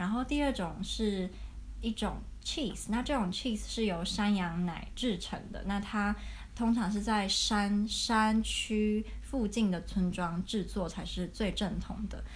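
A woman talks at a fairly slow pace with a Chinese accent. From Taiwan. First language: Mandarin Chinese. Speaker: podcast co-host. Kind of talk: bilingual summary.

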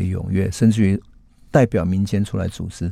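Recorded very cleanly over a silent background, a man talks at a moderate pace with a fairly low pitch and a dark, mellow tone. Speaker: radio host and history storyteller. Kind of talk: history storytelling on radio. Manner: conversational with frequent filler particles.

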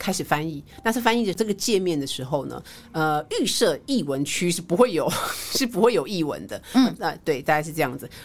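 A woman at a fairly quick pace, fairly low in pitch, with very wide pitch swings. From Taiwan. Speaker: translation software founder. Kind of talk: interview. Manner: hesitant, many fillers.

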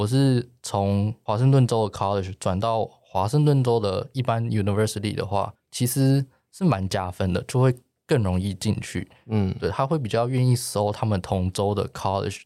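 A dark, mellow tone at a moderate pace with ordinary pitch variation, on a very clean recording with a silent background. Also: man, fairly low pitch for a man. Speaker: university student. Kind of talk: casual interview.

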